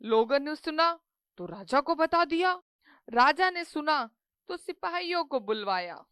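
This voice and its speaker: A woman narrating a children's story in a slow, clear storybook way. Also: high-pitched, big pitch swings, a bit bright, no echo, studio quality.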